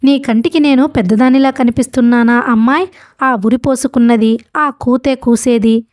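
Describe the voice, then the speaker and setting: A woman's voice: steady tone, normal speed, a little mellow, close to an everyday voice. A woman voicing a touchy old spinster, a retired schoolteacher, who scolds fussily. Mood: scolding. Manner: scolding, shrill and fussy.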